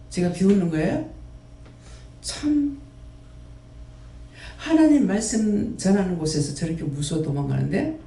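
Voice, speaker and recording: A man who runs a prayer house preaches a sermon, scolding his listeners with rhetorical question after rhetorical question. His voice is high-pitched and warm with vocal fry, recorded from a distance in a roomy, echoing space.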